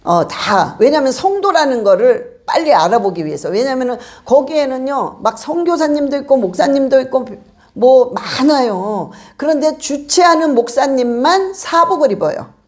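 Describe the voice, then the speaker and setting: A woman pastor preaching a sermon, telling a story in a lively way and acting out the lines of the people in it. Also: high-pitched, normal speed. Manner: lively storytelling with acted-out quotes.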